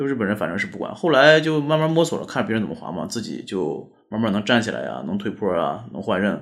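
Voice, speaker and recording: A man's medium-pitched voice with vocal fry, very wide pitch swings, a very fast pace and hardly any pauses. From Dalian, northeast China. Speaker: ski club co-founder. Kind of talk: casual chat.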